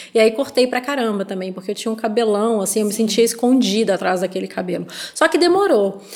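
A very fast-talking woman with a fairly high pitch and ordinary pitch variation, amid noticeable background noise. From Belo Horizonte, Minas Gerais, Brazil. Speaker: podcast co-host, fashion content creator. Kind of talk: casual chat.

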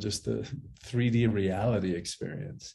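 This man has a somewhat breathy, dark, mellow tone, a fairly low pitch and ordinary pitch variation. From Cuba, moved to the US at about ten. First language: Spanish. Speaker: spiritual teacher and author. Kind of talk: podcast interview.

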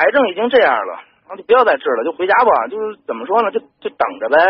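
A man talks at a very fast pace. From Beijing, rural Pinggu district. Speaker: caller, company owner. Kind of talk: call-in personal story. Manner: halting, many fillers.

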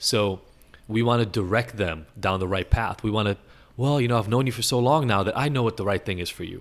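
An unremarkable speaking voice, fairly quick, with ordinary pitch variation. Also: man, medium pitch for a man. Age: 40s. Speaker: addiction expert and psychology lecturer. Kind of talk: casual interview conversation.

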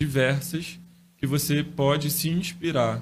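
The speaker talks at a very slow pace in a Rio de Janeiro accent. The voice is somewhat breathy. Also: man. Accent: Rio de Janeiro Portuguese (carioca). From Brazil, Nilópolis, Baixada Fluminense, Rio de Janeiro. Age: 30s. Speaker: pastor and researcher. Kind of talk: podcast interview. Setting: studio, streamed live.

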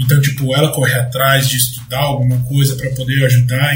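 Noticeable background noise is heard as a man speaks. His pitch is fairly high and his pace fairly quick. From Brazil, São Bernardo do Campo (Greater São Paulo). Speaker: front-end developer. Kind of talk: casual chat.

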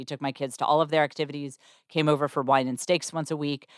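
The delivery is very fast with fairly even intonation. The recording is very clean with a silent background and a dry, close sound with no echo. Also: woman. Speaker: stand-up comedian. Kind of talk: casual chat.

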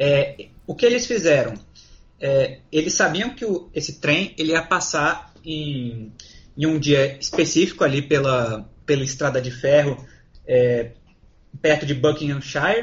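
The pace is fairly slow. A man speaks in a somewhat breathy voice. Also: fairly high pitch for a man, lively intonation. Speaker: crime storytelling podcast co-presenter. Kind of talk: casual chat.

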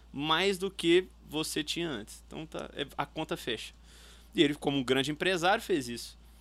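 Fairly high in pitch, a man talks at a moderate pace with vocal fry and ordinary pitch variation. The recording is very clean, with a silent background. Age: 20s. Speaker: podcast co-host, graphic designer. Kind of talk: casual comedic chat.

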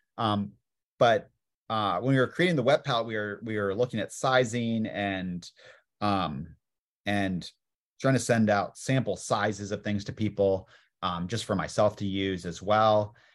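Against a quiet background, a man speaks at a fairly slow pace. He has a plain, everyday voice, fairly low in pitch, with ordinary pitch variation. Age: 30s. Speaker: board game accessory company founder. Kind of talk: casual chat. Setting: video call.

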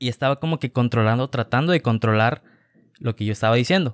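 In a Mexican accent, a man speaks fairly quickly at a medium pitch with ordinary pitch variation, the recording very clean with a silent background and a dry, close sound with no echo. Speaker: podcast host. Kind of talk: casual chat.

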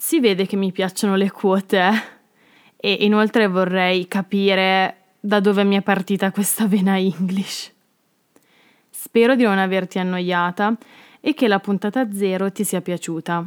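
On a very clean recording with a silent background, a woman speaks at a medium pitch with fairly even intonation. Her pace is fairly slow with long, frequent pauses, and the sound is dry and close with no echo. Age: 20s. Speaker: podcast host. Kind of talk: scripted monologue. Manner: playful.

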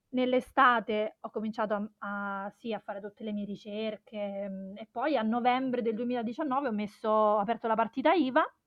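A woman speaks in an ordinary speaking voice, fairly high in pitch, at a moderate pace with fairly even intonation and hardly any pauses. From Italy. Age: 30s. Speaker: food business founder. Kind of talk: casual interview.

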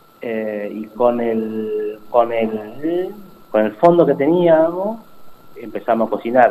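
Noticeable background noise sits behind a man whose medium-pitched voice has lively intonation. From Paraguay. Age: 30s. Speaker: parishioner and community organizer. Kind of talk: testimony.

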